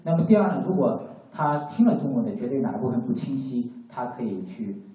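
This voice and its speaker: A man's voice: mid-range voice, expressive, a little fast, warm tone. A man working as a class interpreter, speaking hesitantly with frequent fillers. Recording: dull, echoey, far from mic.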